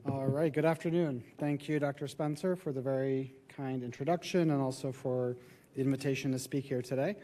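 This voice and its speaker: A man's voice: mid-range voice, fairly even intonation, warm tone, a little hiss or hum. Nasal man with a cold, presenting. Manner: halting, many filler sounds. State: getting over a cold. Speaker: medical oncologist speaker. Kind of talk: conference presentation. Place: conference venue.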